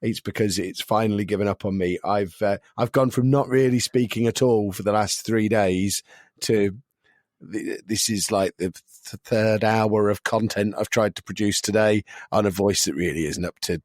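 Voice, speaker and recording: A man hosting a casual podcast, his voice a little croaky, talking with dry self-deprecating humour. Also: fairly low pitch, steady tone, moderate pace, no room sound. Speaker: podcast host.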